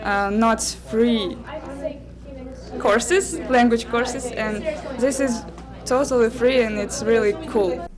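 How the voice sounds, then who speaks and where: A young woman from Kazakhstan, a native Kazakh speaker, talking slowly in an interview and searching for words. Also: fairly high pitch, a crowd in the background. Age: young adult. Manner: slow, searching for words with fillers. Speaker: student. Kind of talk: interview soundbite.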